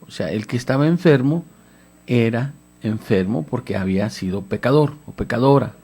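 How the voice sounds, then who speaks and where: Gravelly-voiced preacher. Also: male voice, medium pitch, lively intonation, normal speed. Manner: retells scripture dramatically, rising to shouts of pleading. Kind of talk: radio sermon.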